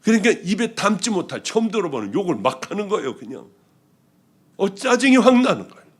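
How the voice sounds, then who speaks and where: A male pastor giving a testimony sermon, telling his story with strong feeling and moving between hushed and loud passages. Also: high-pitched, very animated, brisk, breathy edge.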